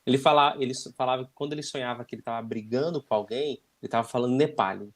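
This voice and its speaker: A man's voice: medium pitch, very fast. A man hosting a live stream, casually asking questions and reading out viewer comments. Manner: relaxed, asks follow-up questions, laughs.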